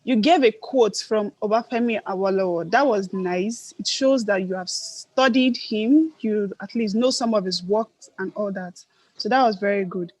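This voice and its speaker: A woman with a soft, quiet voice gives a gently encouraging speech evaluation at a club meeting. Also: moderate pace, no echo, poor audio. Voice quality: soft, low-volume voice. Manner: gently encouraging, self-correcting.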